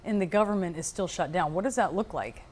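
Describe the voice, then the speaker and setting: A woman's voice: lowish voice, animated, fast talker, darkish tone. A woman interviewing on a news broadcast, asking probing questions in a conversational way.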